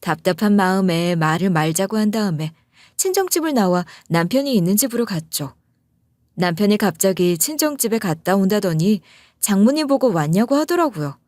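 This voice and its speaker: A woman narrating a personal story at a mid pitch, confiding and conversational. The recording is dry and close, with no room sound. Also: very animated, moderate pace, darkish tone, no echo.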